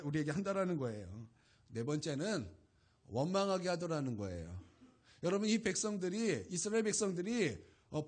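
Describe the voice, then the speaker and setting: A man with a high-pitched voice preaches a Sunday sermon as pastor. He drives his points home with repeated phrases and exhortations that rise in force. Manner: preaching with emphatic repetition and rising exhortations.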